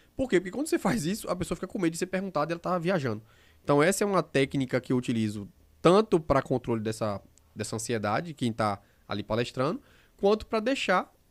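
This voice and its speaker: A man's fairly high voice with very wide pitch swings at a very fast pace, with a dry, close sound with no echo on a very clean recording with a silent background. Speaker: podcast co-host and vascular doctor. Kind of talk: casual chat.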